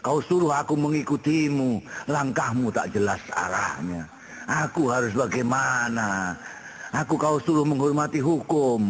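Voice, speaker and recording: A man's voice: medium pitch, a little hiss or hum. Man reciting poetry in a reverberant hall. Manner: measured, emphatic, rhetorical questions.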